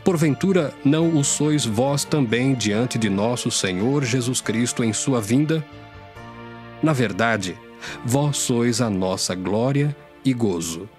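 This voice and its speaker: A man's voice: mid-range voice, takes it slowly, darkish tone. A man with a Brazilian accent giving a scripted, solemn and declamatory reading of scripture as an audio Bible. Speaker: scripture reader. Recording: music under the voice. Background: background music.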